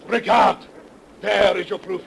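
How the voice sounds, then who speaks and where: An actor playing a grim, relentless older doctor who hunts vampires, declaiming solemnly in 1930s radio melodrama style. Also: male voice, sits high, fairly even intonation, unhurried, vocal fry, heavily acted. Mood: grimly triumphant. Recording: hissy 1930s radio recording.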